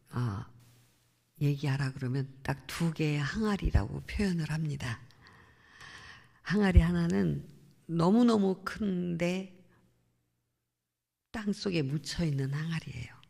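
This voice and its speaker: A woman's voice: sits low, slow pace, gravelly, long pauses. A middle-aged woman missionary giving an earnest, reflective personal testimony at a church prayer meeting. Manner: earnest, reflective storytelling with soft trailing phrases. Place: church sanctuary. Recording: long church hall reverb.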